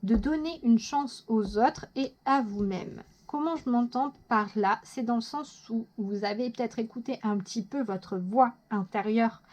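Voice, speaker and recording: A woman giving a casual monthly tarot horoscope reading, chatty, excitable and quick to poke fun at herself. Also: fairly high pitch. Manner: chatty, self-mocking, excitable. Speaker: tarot reader.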